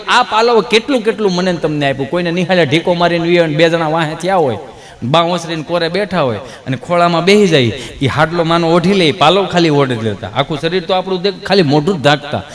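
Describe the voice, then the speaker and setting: A man telling folk comedy stories on stage, acting out the dialogue with sudden jumps in voice. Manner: animated storyteller, acts out dialogue with sudden pitch jumps. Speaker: stand-up comedian. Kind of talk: Gujarati folk comedy storytelling. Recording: stage mic with long hall reverb.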